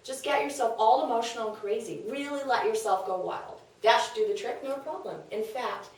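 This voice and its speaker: A woman's voice: on the high side, brisk, close to an everyday voice. A woman playing a scheming, worldly confidante in a comedic table read, persuasive, knowing and emphatic. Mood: egging on. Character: scheming, worldly, brash female confidante of a wife. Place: echoey room, away from mic. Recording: very echoey room, distant mic.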